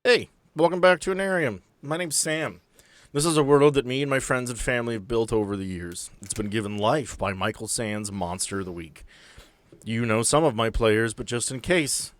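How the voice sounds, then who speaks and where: A man's voice: mid-range voice, moderate pace, no echo. A man chatting casually as game master and host of a tabletop podcast.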